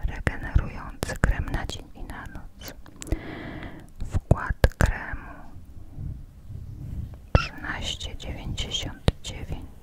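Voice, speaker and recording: Soft-spoken and whispering, the voice moves at a very slow pace with long, frequent pauses over loud background noise. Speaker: catalog reader. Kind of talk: reading product descriptions and prices aloud. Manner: soft ASMR whisper reading prices.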